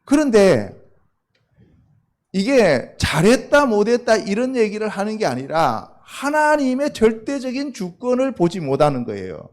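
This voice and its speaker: A man's voice: high voice, wildly swooping pitch, a little slow. A male pastor preaching a sermon to a youth congregation in a loose, conversational way, often asking the listeners questions and answering them himself.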